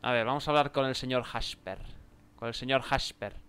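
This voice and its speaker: A man's voice: mid-range voice, fairly quick, a bit bright, clear, resonant tone. A young man with a Spain Spanish accent commenting his gameplay, exclaiming and joking, improvising mock chatter with game characters. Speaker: gameplay video creator.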